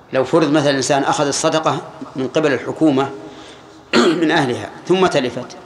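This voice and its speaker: An older man giving a classroom lesson on Islamic law, speaking in measured phrases and questioning his students. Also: mid-range voice, a little hiss or hum. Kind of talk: classroom lecture on hadith.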